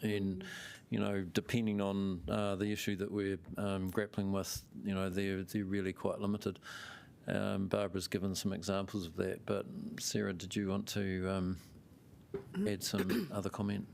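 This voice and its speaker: A man's voice: deep voice, flat delivery, normal speed, vocal fry, a little mellow, a little hiss or hum. A man speaking as a council officer in a formal meeting, plain and hesitant.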